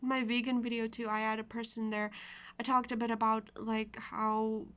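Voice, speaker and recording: A woman speaks in a fairly high voice with very little rise and fall. She comments casually as a video creator, explaining in an informal, rambling way and reading comments aloud. The sound is slightly dull and lo-fi. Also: level tone, moderate pace, fairly bright tone.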